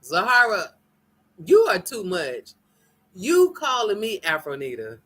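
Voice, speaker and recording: African American woman hosting a casual live chat, slow and bright, folksy and playful. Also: medium pitch, slight background noise. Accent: African American English. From United States. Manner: animated, laughing, teasing, folksy. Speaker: live-stream host chatting with viewers. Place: home in Nigeria.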